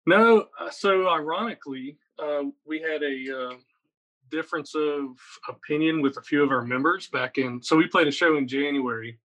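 Guest, male, 30s, from Virginia, slightly higher voice, energetic and rambling. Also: moderate pace, low-quality recording. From Virginia, USA. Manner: energetic, rambling, lots of "like" and "right?". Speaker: guest, metal guitarist. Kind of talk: casual interview chat.

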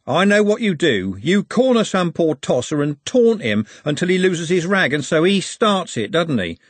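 A man's voice: a little high, very animated, moderate pace, dry recording, voice pushed up. A man voicing a weary, defiant young working-class man in an audiobook, talking colloquially. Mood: weary defiance.

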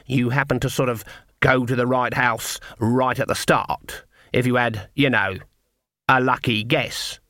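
Man voicing old witch woman, stubborn, deadpan, rustic, dry close recording, audiobook. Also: medium pitch, unhurried, no room sound. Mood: feigned innocence. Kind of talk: audiobook character acting.

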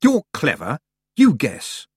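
A man voicing a level-headed young girl witch who talks calmly, firmly and with a reproachful edge. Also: mid-range voice, takes it slowly, husky, dry recording, clean studio sound, voice pushed up, full character voice. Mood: stern. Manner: calm, firm, reproachful.

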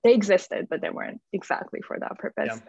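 A woman's voice: medium pitch, sing-song, brisk, vocal fry, darkish tone, slightly rough. A woman giving informal, rambling conversational answers as an interview guest, often dropping in "like". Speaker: guest, community founder. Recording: echoey room, slightly dull audio.

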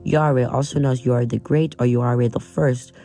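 A man's voice: medium pitch, steady tone, moderate pace, warm tone, soft background music. A young man from Nigeria with an American accent, reading a scripted history podcast as its host and stumbling over some names. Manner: reads from a script with frequent restarts on names.

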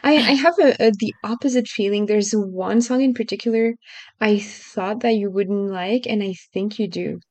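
A woman's voice: mid-range voice, normal speed, darkish tone, dry recording. A woman co-hosting a music podcast in casual chat, often hesitant and correcting herself, giggling between thoughts. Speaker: podcast co-host.

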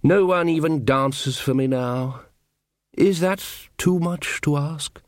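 A man performs a huge horned god in an audiobook fantasy tale. The voice is smooth and rich, unhurried to the point of drawling. He is haughty and weary, looking down on everyone he addresses. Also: a little high, no room sound, clean studio sound, pitched above the performer's own voice. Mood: languid disdain. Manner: slow, drawling, condescending.

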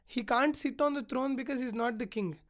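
A woman retelling an ancient epic in a casual podcast chat, animated and emotional, with lots of "like" fillers. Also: on the high side, brisk. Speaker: podcast storyteller.

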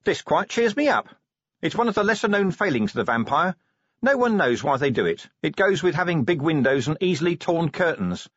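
A man narrator plays a weary, middle-aged watch commander in a fantasy audiobook. He is husky and sardonic, with dry wit and animated intonation. The sound is slightly dull. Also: medium pitch, moderate pace, dry recording, pitched above the performer's own voice. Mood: wry, pleased. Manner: dry, wry. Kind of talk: audiobook character voice.

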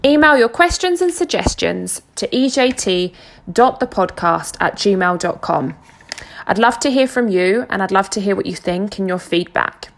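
Gravelly-voiced English woman from Essex. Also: medium pitch, animated, moderate pace. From Essex, England. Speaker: podcast host. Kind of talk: scripted solo podcast intro.

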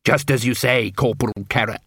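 A man's voice: medium pitch, fairly even intonation, fairly quick, vocal fry, a bit bright, breathy edge, no echo, clean studio sound. A man voicing a practical, loyal dwarf guardsman in an audiobook, speaking plainly. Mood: matter-of-fact.

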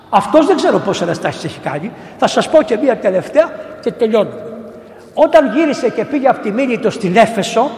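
A middle-aged man, a priest, giving a sermon that retells saints' stories and acts out the people in them. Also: high voice. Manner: animated storytelling, acts out voices of the people in the story. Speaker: priest and missionary preacher. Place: large church. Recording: echoey church with long reverb.

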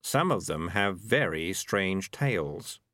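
A man's voice: low-pitched, animated, takes it slowly, fairly bright tone, no room sound, studio quality, exaggerated voice. A man voicing a sly, money-minded talking cat who grumbles and cajoles in a storybook reading. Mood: scheming.

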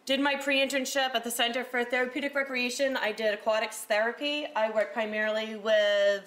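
A woman in her thirties giving a casual talk as a recreational therapist, loud-voiced and chatty with lots of fillers. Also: fairly high pitch, flat delivery, brisk. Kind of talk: casual talk to a small audience. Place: room with a presentation screen.

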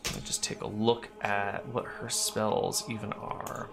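A man narrating a tabletop game as game master, relaxed and descriptive with frequent fillers. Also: fairly low pitch, a little slow, vocal fry, noisy background.

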